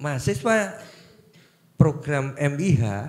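The man speaks in a somewhat breathy voice. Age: 60s. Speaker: law professor; guest lecturer, law professor. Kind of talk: lecture. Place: hall. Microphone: handheld.

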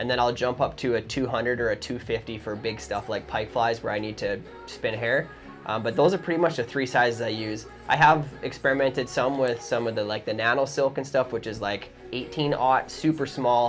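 Speech at a moderate pace is accompanied by clear music in the background. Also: man, ordinary pitch variation. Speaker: fly tying host. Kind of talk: casual explanatory talk on a live show. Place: studio.

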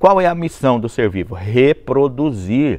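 A man's fairly slow speech with very wide pitch swings against a quiet background. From Brazil, Rondônia. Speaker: gardening instructor and YouTuber; teacher. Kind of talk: tutorial. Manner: animated. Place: garden. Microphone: lapel.

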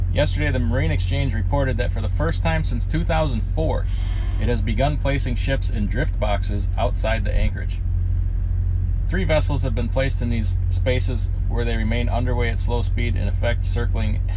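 With music in the background, a man speaks at very even loudness. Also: moderate pace. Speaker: truck driver vlogger. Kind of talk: casual vlog commentary. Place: car. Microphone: phone near.

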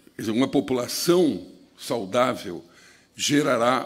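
Medium pitch from a man, fairly slow in pace, amid audible room echo. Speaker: public health researcher. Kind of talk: conference talk.

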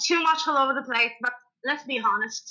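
In a raised, projected voice, a woman speaks with an Italian accent and a bright, sharp tone. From Italy (Sicily). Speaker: costume designer. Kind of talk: casual interview chat. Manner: frequent hesitations and fillers.

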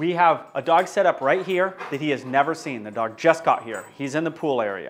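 A man at a moderate pace, lively intonation, and light background noise. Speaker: dog trainer. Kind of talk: tutorial. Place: kitchen. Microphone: camera far.

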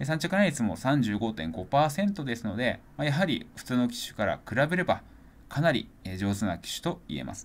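A man speaks at a fairly slow pace with a medium pitch and some vocal fry. His pitch swings very widely, and his loudness rises and falls a lot. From Japan, Chiba. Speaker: horse racing YouTuber. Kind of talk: data-driven commentary video. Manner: frequent fillers (えー, まあ).

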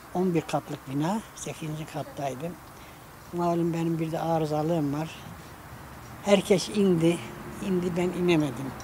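Pausing long and often, a man with a high pitch speaks at a fairly slow pace with fairly even intonation over noticeable background noise. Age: 70s. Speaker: retired railway worker. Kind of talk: interview answer. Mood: grateful, emotional recollection.

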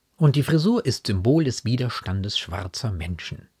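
Somewhat breathy, a man talks with lively intonation, captured with a dry, close sound and no echo. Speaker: video commentator. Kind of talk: angry rant / opinion commentary. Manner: indignant, fuming, sharply sarcastic; formal, deliberate, elaborate wording.

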